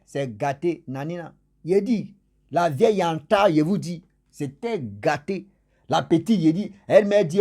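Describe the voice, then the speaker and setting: A man's voice: a little high, mellow. A man casually retelling a mystical tale, rambling and repeating himself while he speaks to his listeners. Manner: rambling, repeats phrases, addresses listeners directly. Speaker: storyteller.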